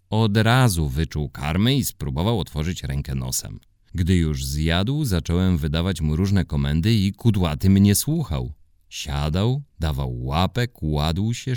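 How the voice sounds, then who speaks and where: Man reading a children's story, deep voice, very lively, mellow, dry sound. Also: no echo. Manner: expressive, playful reading.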